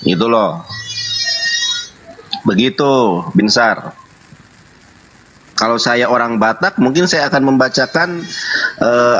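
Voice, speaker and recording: A man from West Java with a lowish voice, explaining patiently and at length to an opponent in a casual online debate. He talks in a calm lecturing way. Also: dull audio. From West Java (Sundanese).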